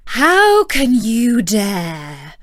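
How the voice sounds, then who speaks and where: A woman voicing a stern, angry enchantress in a fairy tale, with a commanding, drawn-out and emphatic delivery. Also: fairly high pitch, wildly swooping pitch, dry recording, studio quality, exaggerated voice. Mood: angry, accusing. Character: stern, angry enchantress guarding her garden and tower. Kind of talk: fairy tale storybook reading.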